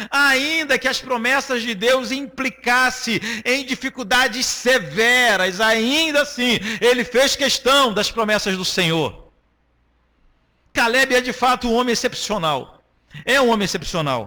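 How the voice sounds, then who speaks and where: A man speaks in a raised, projected voice at an extremely high pitch, with a bright, sharp tone and ordinary pitch variation. His pace is fairly slow, and the recording is very clean with a silent background. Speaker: pastor. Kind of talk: sermon.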